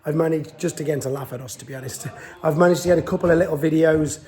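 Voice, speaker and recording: A man's voice: on the high side, fairly even intonation, fast talker, warm tone. A man chatting casually as he films a walk-around vlog of a convention venue, rambling with many restarts and losing his voice. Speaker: toy vlogger.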